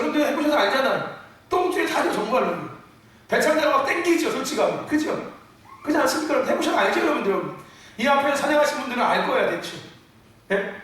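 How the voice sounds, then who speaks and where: In a church sanctuary, a middle-aged male pastor with a very high voice preaches emphatically, frequently addressing the congregation and mixing forceful outbursts with laughter. The recording is distant and echoey.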